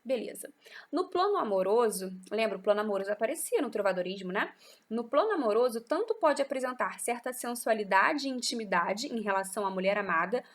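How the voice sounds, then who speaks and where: A woman teacher with a Brazilian Portuguese accent gives a class lecture, explaining patiently and often checking in with her students. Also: on the high side. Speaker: literature teacher.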